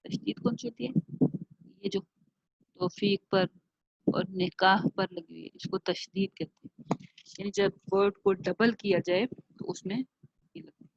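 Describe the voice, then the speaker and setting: A woman with a Pakistani accent teaching a class online, sounding out words slowly and carefully and repeating them. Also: mid-range voice, steady tone, gravelly, dry recording. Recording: dull lo-fi home recording.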